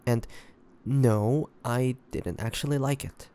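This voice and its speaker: A man playing a grumpy, flustered demon hunter who secretly cares, speaking in a halting, defensive way in a roleplay audio drama. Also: medium pitch, steady tone, mellow, smooth, natural voice.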